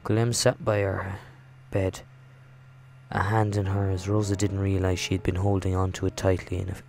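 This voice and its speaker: A man's voice: sits low, level tone, normal speed, creaky, darkish tone. A man hosting a gaming video, reading visual novel narration aloud and reacting casually. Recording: music behind the voice.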